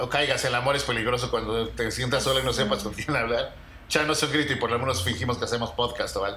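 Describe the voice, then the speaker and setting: A man talking very fast, with audible room echo and noticeable background noise. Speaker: podcast host. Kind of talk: casual chat.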